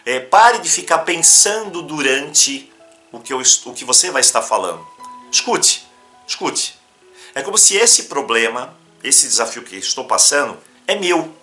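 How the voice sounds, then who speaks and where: Brazilian man, self-help teacher, lively bright voice, faint guitar behind. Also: mid-range voice, moderate pace. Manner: animated, emphatic, breaks into demonstrations. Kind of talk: instructional talk to camera.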